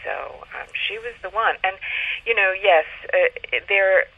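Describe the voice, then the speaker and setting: A man speaking as an interview guest, explaining in a halting way, thinking aloud with pauses. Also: high voice, expressive, vocal fry. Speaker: guest astrologer. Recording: muffled, lo-fi call audio.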